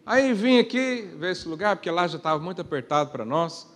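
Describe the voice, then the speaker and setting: Pastor preaching in a reverberant hall. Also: male voice, sits high, expressive, brisk. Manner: preaching with rhetorical questions and big swings in loudness. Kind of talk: sermon. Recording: long reverb of a church hall.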